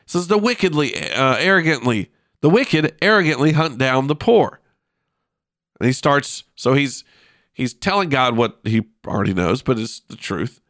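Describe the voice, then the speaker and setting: A man's voice: medium pitch, big pitch swings, moderate pace, a bit bright, no room sound, clean studio sound. Man with a congested, pinched-nose nasal voice. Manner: informal, self-deprecating, folksy. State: blocked sinuses. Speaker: Christian podcast host. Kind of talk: casual devotional podcast talk. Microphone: close podcast microphone.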